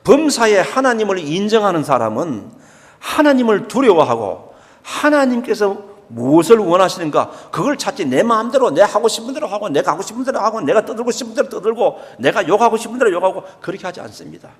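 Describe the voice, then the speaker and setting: A man's voice: high-pitched, big pitch swings, brisk. An older man with a Gyeongsang accent preaching a sermon, emphatic and repetitive, acting out everyday speech. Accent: Gyeongsang Korean. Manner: emphatic, repeats key phrases, acts out everyday speech. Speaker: pastor. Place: church sanctuary. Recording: long church reverb.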